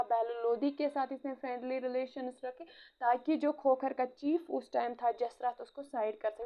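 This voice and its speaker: A woman gives an exam-prep history lecture in a slightly high voice. She keeps pausing to check in with her students and drops English phrases into her explanations. The recording sounds dull and muffled. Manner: frequent "theek hai" check-ins, mixes English phrases. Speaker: teacher.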